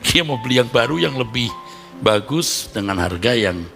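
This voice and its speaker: A middle-aged man preaching a sermon as pastor, talking in a conversational way, acting out short everyday dialogues and breaking into sudden high emphatic bursts. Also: lively intonation, moderate pace, gravelly, fairly bright tone. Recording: music playing underneath.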